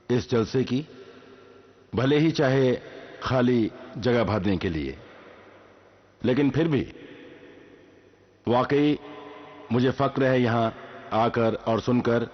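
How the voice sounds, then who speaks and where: An older man from Sindh, presiding at a public lecture, gives a formal address in an earnest, measured way, speaking in short phrases. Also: mid-range voice, dull audio.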